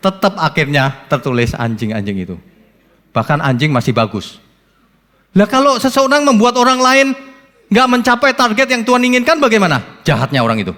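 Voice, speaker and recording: A male pastor preaching a sermon, swinging between high exclaims and low asides, with many rhetorical questions. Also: brisk. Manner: lively preaching with sudden rises and drops, rhetorical questions. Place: church hall. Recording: long hall reverb.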